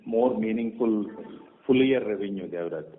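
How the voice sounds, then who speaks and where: A man with an Indian accent, a company executive answering questions on a conference call, haltingly listing his points one by one. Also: lowish voice, slight background noise. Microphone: conference call phone. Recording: muffled narrowband conference call line.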